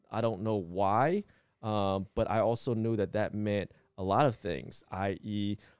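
A man's fairly low voice, dry and close with no echo, against a quiet background. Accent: American. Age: 30s. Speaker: entrepreneur. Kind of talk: casual chat. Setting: studio. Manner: animated; halting.

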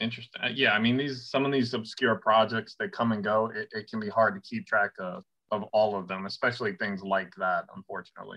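In an American accent, a man talks at a fairly quick pace with hardly any pauses, his pitch medium and its variation ordinary. His tone is bright and sharp, and the sound is dry and close with no echo. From New York City. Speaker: sneaker collector. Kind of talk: casual chat.

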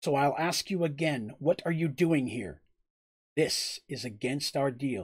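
In a put-on character voice, a man growls at a fairly high pitch and a fairly slow pace, with ordinary pitch variation, on a very clean recording with a silent background. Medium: read story. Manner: stern, grave.

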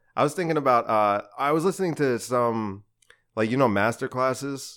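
A man with a normal speaking voice talks at a medium pitch and a moderate pace, his loudness very even and his pitch variation ordinary, on a very clean recording with a silent background. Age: 20s. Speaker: stand-up comedian. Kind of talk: casual chat.

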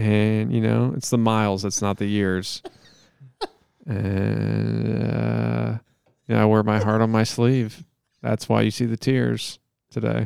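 This man speaks at a very slow pace. He stops often for long pauses. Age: 30s. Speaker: podcast host and barber. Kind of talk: casual comedic chat.

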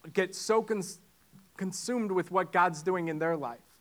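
In a Pennsylvania accent, a man talks with a high pitch. His pitch variation is ordinary. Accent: Pennsylvania American, non-Maine. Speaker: guest preacher. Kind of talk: sermon. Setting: church. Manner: friendly, joking.

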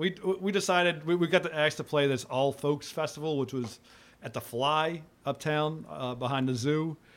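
This is a man with an ordinary speaking voice, fairly high in pitch with ordinary pitch variation, talking at a moderate pace. The recording is very clean, with a silent background. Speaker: band member. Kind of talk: casual chat.

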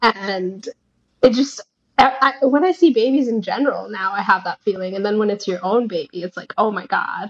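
A woman with an unremarkable speaking voice uses lively intonation at a fairly high pitch. The sound is dry and close with no echo.

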